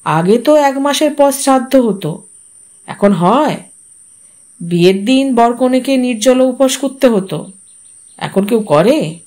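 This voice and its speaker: Lady reading as grown-up eldest son in an audio story, stubborn on principle, reasons slowly, quiet defiance. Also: on the high side, animated. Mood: earnest, reasoning.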